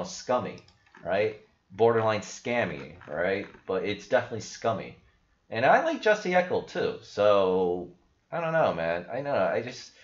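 Youngish guy with a lowish voice rambling about his screen, lots of "like" and "you know", muffled webcam sound. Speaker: crypto video host. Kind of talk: casual screen-share commentary. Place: small indoor room.

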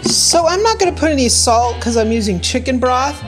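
A woman's voice: high-pitched, lively intonation, a little fast, faint music behind. A woman casually narrating her home cooking in a chatty, unscripted way, thinking aloud as she goes. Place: home kitchen, indoors.

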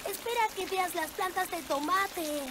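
A woman's voice: very high voice, unhurried, noisy background. A woman voicing a small, helpful, knowing elf in a Latin American cartoon dub. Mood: eager, informative. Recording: loud music behind.

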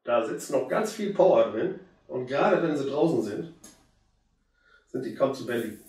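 A hoarse man in his fifties with a cold, chatting casually to viewers as he works on a plant. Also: mid-range voice, moderate pace, recorded from a distance, a little hiss or hum. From Germany. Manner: relaxed, chatty, addresses viewers directly. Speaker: bonsai hobbyist. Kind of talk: casual how-to commentary while working. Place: indoor room with curtain backdrop. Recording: very echoey room, voice off-mic.

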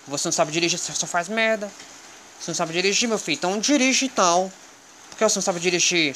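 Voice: medium pitch, sharp tone, slight background noise. A speaker giving a stern, repetitive scolding monologue, ending lines with questions like "got it?". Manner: repetitive scolding, tags lines with "viu?" and "entendeu?"; stern, threatening lecture. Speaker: channel host. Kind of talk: scolding monologue to an imagined listener.

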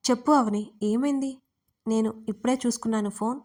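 A woman voicing a worried female friend who calmly and firmly reassures her, in an audio story. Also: on the high side, a little fast, natural voice. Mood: concerned. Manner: reassuring, insistent. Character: worried close woman friend, calm and firm.

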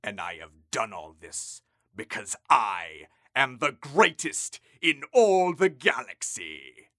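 A man's voice: mid-range voice, very animated, takes it slowly, fairly bright tone, no echo, studio quality. A man voicing a boastful, theatrical evil ruler of the galaxy in a grandiose cartoon villain style. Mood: boastful menace. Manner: grandiose, declaiming. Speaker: voice actor. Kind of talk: cartoon villain monologue in a demo reel.

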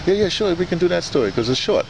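A man interviewing casually, speaking in a halting way and often repeating words and phrases. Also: sits high, sing-song, vocal fry. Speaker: interviewer, audio dramatist. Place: outdoors in a courtyard beside a building. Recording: noisy outdoor recording, urban traffic ambience.

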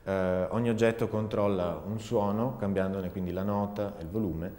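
A man's voice: on the low side, steady tone, moderate pace, mellow. A man in his forties explaining his artistic work in an interview, thoughtfully, with searching restarts. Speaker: performing artist and sound researcher. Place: dark indoor studio, seated. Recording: roomy, reverberant hall sound.

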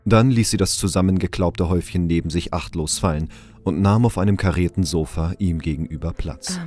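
A man's voice: low voice, a little fast, a little mellow. A man reading scripted, descriptive narration for a sci-fi audio drama.

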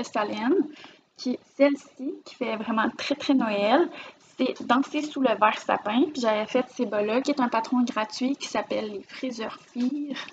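A woman's voice: on the high side, dull audio, a little hiss or hum. A woman with a Quebec French accent, chatting casually on camera as she shows off her finished knitting projects. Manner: chatty, rambling, warm about her projects. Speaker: knitting vlogger. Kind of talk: casual show-and-tell vlog. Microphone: camera mic, filming herself.

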